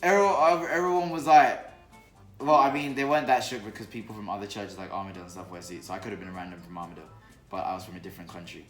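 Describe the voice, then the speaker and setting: A young British man chatting casually with his mother, telling stories in an animated way and acting out what people said. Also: fairly low pitch, very fast. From Britain. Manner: animated storytelling with lots of filler and acted-out quotes. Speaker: vlogger. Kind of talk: casual chat. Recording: echoey room with faint music.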